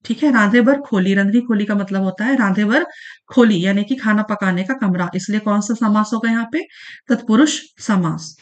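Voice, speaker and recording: A woman teaching an exam-prep grammar lesson in a casual way, repeating key points and often pausing on fillers. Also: mid-range voice. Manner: repeats points, frequent fillers and "ठीक है, याद रखिएगा".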